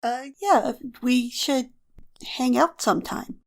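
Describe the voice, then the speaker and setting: A fairly high, youthful voice for an easygoing college student, played by a woman in a romantic comedy podcast. The delivery is casual and flippant, full of dry joking. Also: takes it slowly, gravelly, heavily acted. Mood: awkward, friendly. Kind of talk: audio drama romantic comedy dialogue.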